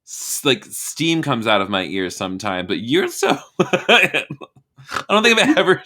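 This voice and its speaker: A man's voice: mid-range voice, sing-song, measured pace, pushed and bright. A man hosting a casual video chat, talking bluntly and jokily and swearing freely. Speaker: host.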